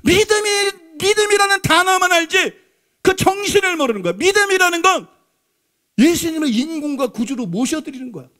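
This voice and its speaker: A man with a strikingly high voice preaches from the pulpit of a church. He drives each point home by repeating it and keeps turning to the congregation with rhetorical questions. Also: big pitch swings, fairly quick, pushed and bright. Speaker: pastor. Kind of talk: Sunday sermon. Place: church sanctuary.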